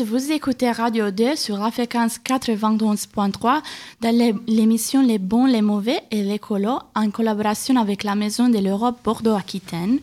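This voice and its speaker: A woman with a slightly high voice hosts a community radio show. She grew up in Sardinia and speaks French as a second language, reading her lines steadily from a script. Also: a little mellow. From Sardinia, Italy. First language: Italian. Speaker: radio host.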